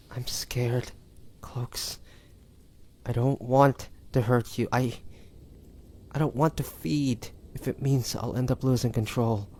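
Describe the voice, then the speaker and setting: Male demon, performed by a man, audio drama: tormented and bloodthirsty, very unhurried, halting delivery with pleading sighs, medium register. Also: medium pitch, fairly even intonation, a little mellow. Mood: frightened, tempted. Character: tormented young man turned bloodthirsty demon, fighting his hunger. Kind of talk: dramatic audio roleplay acting.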